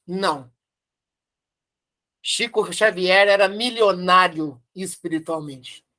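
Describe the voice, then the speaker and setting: A woman's voice: fairly high pitch, fairly bright tone. A woman with a Brazilian Portuguese accent giving a devotional study commentary, emphatic, repeating key phrases and asking rhetorical questions. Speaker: Spiritist study presenter.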